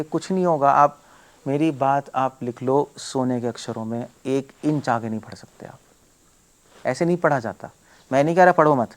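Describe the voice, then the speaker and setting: A man speaking as a monk, giving a devotional lecture to followers; emphatic, full of rhetorical questions, often mixing English words into his talk. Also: a little high.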